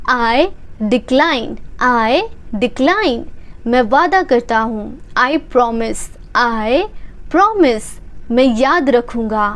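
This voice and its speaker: A woman teaching English phrases, giving each one in Hindi and then repeating the English slowly and deliberately. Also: high voice. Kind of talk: slow, repeated phrase drills.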